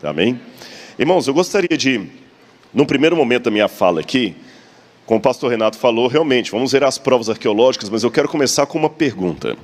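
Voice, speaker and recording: A man's voice: mid-range voice, expressive, fast talker. A man preaching a sermon in a full church, talking conversationally, joking with the congregation and posing rhetorical questions.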